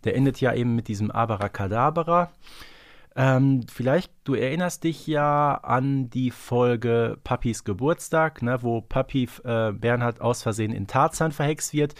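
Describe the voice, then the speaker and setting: A man's voice: mid-range voice, unhurried, dry recording, clean studio sound. A man co-hosting a podcast, thinking aloud and explaining in a casual, analytical discussion. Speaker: podcast co-host. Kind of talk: casual analytical discussion of an audio drama series.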